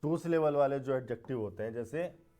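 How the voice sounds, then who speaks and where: An English teacher with a mellow, rather dark, mid-range voice runs a grammar class a little fast. He works through it step by step, repeating key words and asking the class rhetorical questions.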